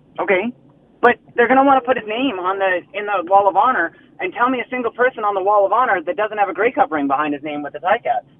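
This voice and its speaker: A man's high-pitched voice at a very fast pace, with lively intonation and noticeable background noise. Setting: phone call. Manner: opinionated.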